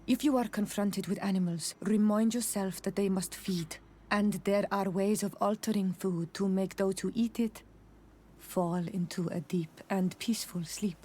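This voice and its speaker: A woman's voice: medium pitch, steady tone, moderate pace, dark tone, long reverb tail, slight background noise, lightly acted. An actress voicing a solemn, devoted young female tribal healer in a video game, with earnest, careful, slightly formal delivery. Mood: earnest advice.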